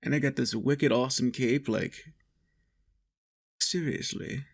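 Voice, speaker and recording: A man playing a possessive, doting vampire master in an intimate roleplay monologue, coaxing and teasing with soft menace. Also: mid-range voice, fairly even intonation, measured pace. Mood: smug, boastful.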